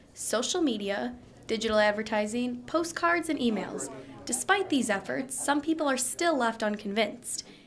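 Noticeable noise in the background, a moderate speed, and lively intonation. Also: woman. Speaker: TV news reporter and anchor. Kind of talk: TV news package voice-over.

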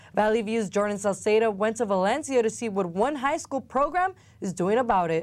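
Fairly high-pitched and lively in intonation, a woman talks at a fairly quick pace. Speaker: sports anchor. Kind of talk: scripted sports news reading. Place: studio. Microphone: lapel.

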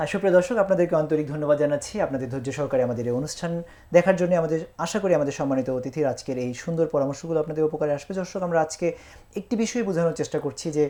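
A man speaks in a fairly high pitch with a dark, mellow tone. His pitch varies in an ordinary way. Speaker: TV health show host, doctor. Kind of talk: live TV health talk show hosting. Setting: studio. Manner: formal.

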